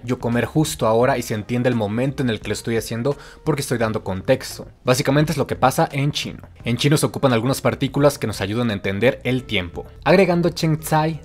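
A man giving a scripted, clear explanatory narration for a language lesson, walking through examples one by one. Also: mid-range voice. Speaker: language teacher. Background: faint music.

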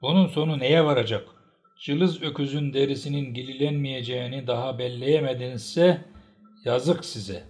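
A man's voice: medium pitch, normal speed, faint music behind, close to an everyday voice. A man voicing an angry old tribal matriarch. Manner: sharp, scolding, indignant.

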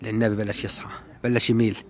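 A man, giving a casual, animated running commentary while flying his pigeons outdoors. He repeats words and calls out to the birds. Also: lowish voice, very fast, slight background noise. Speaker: pigeon keeper vlogger.

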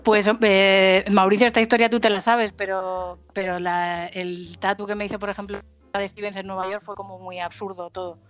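A woman's voice: medium pitch, flat delivery, normal speed, soft background music. A woman tattoo artist, a guest chatting casually on a podcast, swearing and laughing easily.

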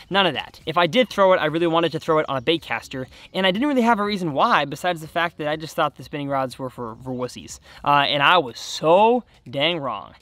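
Higher-pitched young man, casual and enthusiastic. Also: pushed and bright, no room sound. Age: 20s. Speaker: fishing channel host. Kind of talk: casual instructional talk to camera. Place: outdoors on a bass boat by a reedy shore.

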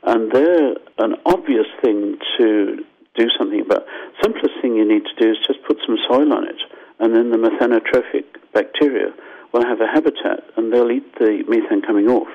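An older man from Zimbabwe, a scientist guest explaining things thoughtfully in a radio interview, with restarts and lively asides. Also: medium pitch, moderate pace. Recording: dull lo-fi phone line.

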